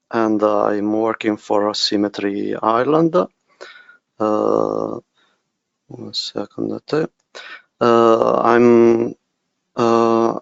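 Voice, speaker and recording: A man with an Italian accent presenting a software webinar, speaking haltingly with many pauses. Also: mid-range voice, vocal fry, dry recording, lo-fi sound. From Italy. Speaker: technical specialist presenter.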